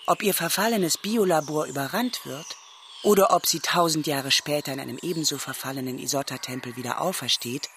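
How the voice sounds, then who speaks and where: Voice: mid-range voice, fairly quick, fairly bright tone, a little hiss or hum, lightly acted. A man playing a mysterious, aloof white swan hybrid who speaks in cryptic pronouncements in a radio drama. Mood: enigmatic.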